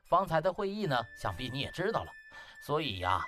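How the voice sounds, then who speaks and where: Man acting smug brash young doctor, very animated. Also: a little high, fairly quick, soft background music. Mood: smug, mocking. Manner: gloating, chuckling, exaggerated exclamations. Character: smug, brash young male doctor, mocking and fake-friendly. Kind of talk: comic audiobook character acting.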